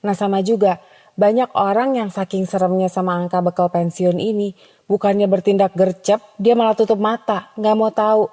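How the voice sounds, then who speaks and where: A woman's voice: medium pitch, steady tone, normal speed, warm tone, long reverb tail. A woman hosting a scripted podcast monologue in a chatty, teasing way, dropping in English slang. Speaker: podcast host.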